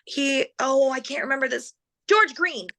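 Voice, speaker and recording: A woman's voice: high-pitched, normal speed, pushed and bright. A middle-aged woman chatting casually as an interview guest, laughing often and growing emotional as she remembers. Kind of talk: casual conversation.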